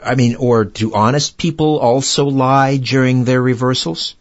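A man hosting a radio interview, asking questions in a measured way. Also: medium pitch, steady tone. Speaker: radio host. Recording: muffled lo-fi audio.

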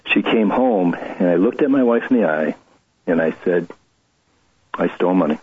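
Low, husky man telling a confession. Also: lively intonation. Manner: earnest, halting confessional storytelling. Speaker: guest. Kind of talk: personal testimony interview. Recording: tinny phone-line radio audio.

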